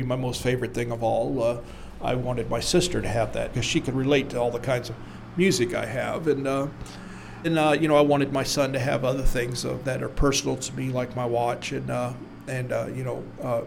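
Middle-aged guy on death row, halting, lots of uhs, gravelly fry, bit of faint room noise behind. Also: mid-range voice, fairly even intonation. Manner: halting, many fillers. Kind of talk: recorded interview and reading his own writing.

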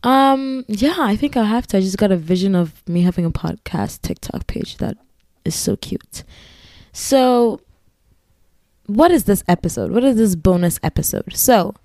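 A woman's voice: on the low side, a little mellow, no echo. A woman with a Ghanaian accent hosting her own podcast solo, chatting in a rambling, giggly way with asides. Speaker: podcast host. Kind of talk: casual solo podcast chat.

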